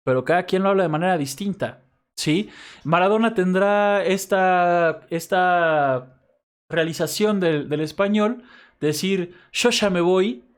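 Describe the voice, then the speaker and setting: Mexico City professor lecturing, fairly high voice. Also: male voice. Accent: Mexico City Spanish. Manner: explanatory, checks in often with "right?" tag questions. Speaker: university professor. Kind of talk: recorded class lecture.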